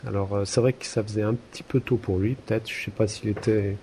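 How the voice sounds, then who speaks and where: A low-pitched man with a gravelly, mellow voice chats casually on a podcast. He hesitates often, stringing his thoughts together with fillers and restarts. A faint rumble sits underneath. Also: fairly even intonation, a little fast. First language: French. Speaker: podcast co-host. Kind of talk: casual conversational chat.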